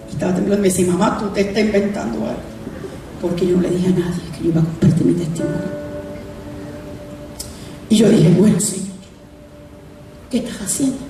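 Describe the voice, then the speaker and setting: A woman pastor giving a testimony sermon, acting out her conversations with God. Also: medium pitch. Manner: animated, acts out dialogue with God. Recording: echoey hall, distant mic, music.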